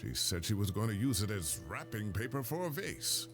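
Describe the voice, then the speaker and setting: Game role: musing scholar, gravelly and lively in pitch. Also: male voice, normal speed. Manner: hesitant, musing. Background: game music.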